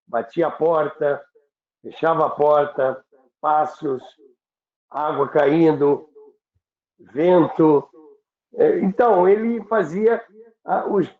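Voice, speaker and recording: A Brazilian man hosting a show, telling stories in a deliberate, emphatic, conversational way. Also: on the high side. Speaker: radio history show host. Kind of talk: conversational presenting and storytelling. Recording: echoey, band-limited muffled sound.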